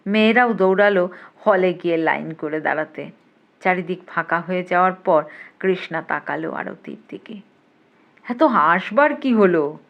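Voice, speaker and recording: A woman narrating a short story aloud, lively, lifting her voice for the characters. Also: fairly low pitch, vocal fry, highs cut off. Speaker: story reader.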